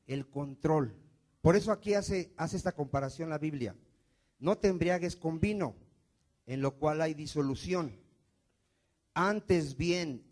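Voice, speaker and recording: A man's voice: mid-range voice, a little mellow. A male pastor preaching a sermon, asking the congregation questions and answering them himself.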